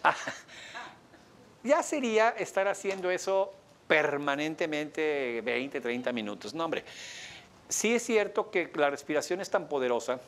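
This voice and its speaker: A man lecturing a coaching workshop, asking the audience questions and acting out a client's lines in a higher voice. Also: a bit bright, a little hiss or hum. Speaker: coaching instructor.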